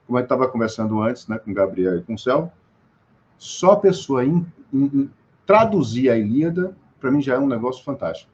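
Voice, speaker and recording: A Brazilian man talks at a middle pitch in an interview, stopping and restarting often as he explains. His speech is full of small fillers. The recording sounds a little dull. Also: big pitch swings, a little fast, darkish tone. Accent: Brazilian Portuguese. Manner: hesitant, many restarts and fillers. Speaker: guest.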